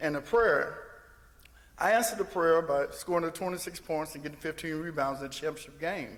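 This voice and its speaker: With a Kentucky accent and lively intonation, a man speaks over noticeable background noise. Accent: southern US (Kentucky). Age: 70s. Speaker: church minister and former basketball player giving a eulogy. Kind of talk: memorial tribute speech. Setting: church memorial service. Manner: conversational, some hesitations.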